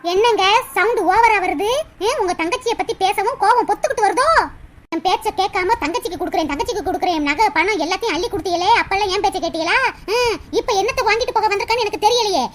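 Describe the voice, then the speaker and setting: An actor voicing a sharp-tongued young wife who scolds and complains with scorn in a cartoon. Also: extremely high pitch, a little hiss or hum. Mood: scornful. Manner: fast nagging complaints, scornful.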